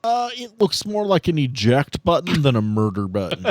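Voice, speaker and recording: A man acting as game master, narrating casually with deliberate, halting phrasing. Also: mid-range voice, wildly swooping pitch, dry recording. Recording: music behind.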